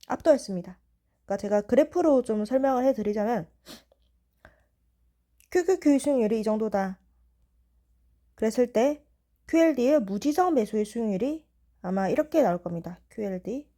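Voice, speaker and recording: A young woman in her twenties calmly walking through stock chart analysis. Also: fairly high pitch. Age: 20s.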